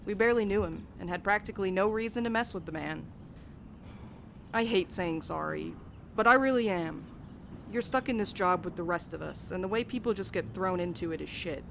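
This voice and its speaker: A woman's voice: fairly low pitch, brisk, creaky. Blunt young woman mail carrier, faint background noise. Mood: blunt, earnest. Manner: blunt, casual, teasing. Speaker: voice actor in audio drama. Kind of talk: naturalistic audio drama dialogue.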